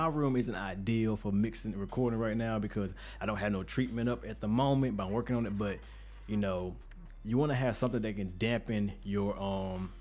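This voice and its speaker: Deep-voiced man giving a casual tutorial. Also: a little mellow. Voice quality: deep, bassy voice. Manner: casual, conversational, slangy. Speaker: music production tutorial host. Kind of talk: informal spoken tutorial. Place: untreated home studio room with reflection filter. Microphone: studio microphone with pop filter, close up.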